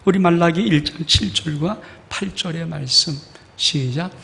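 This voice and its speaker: A man's voice: a little high, unhurried, vocal fry, bright, forceful tone. A male pastor preaching a sermon, asking the congregation questions and acting out the voices of God and the people. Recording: long church hall reverb.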